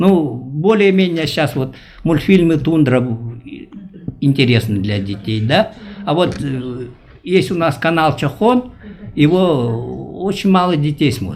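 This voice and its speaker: A man with a fairly high pitch speaks at a very slow pace, with very wide pitch swings. Long, frequent pauses break up his speech over noticeable background noise. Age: 70s. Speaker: round table participant. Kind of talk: panel discussion. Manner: halting.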